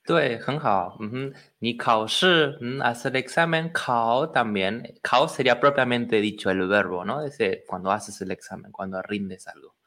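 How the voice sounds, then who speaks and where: A student in a language lesson, trying out Chinese phrases and translating them. He pauses and thinks aloud before he answers. His voice sits in a middle pitch. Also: a bit bright.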